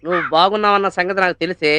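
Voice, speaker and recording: A man acting as a jealous, hot-tempered husband who shouts and mixes languages in a quick, lively way. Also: sits high, smooth, dry recording. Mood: angry. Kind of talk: film comedy acting.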